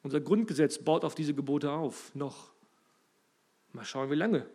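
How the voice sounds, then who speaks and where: A man preaching a sermon, emphatic and rising and falling in loudness, speaking straight to his listeners. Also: a little high, expressive, unhurried.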